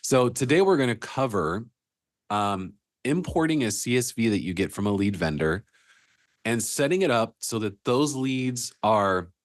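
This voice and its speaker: A man's voice: on the low side, no room sound, clean studio sound. A man with a congested, cracking voice co-hosting a casual online CRM training session, upbeat and conversational over a video call mic. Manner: upbeat, conversational, frequent "you know" and "um".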